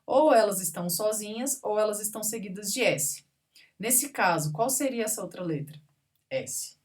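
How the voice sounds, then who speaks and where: In this recorded classroom grammar lesson, the teacher's mid-range voice is expressive and somewhat dark, moving at normal speed. She patiently takes examples word by word, stopping to make sure her students follow.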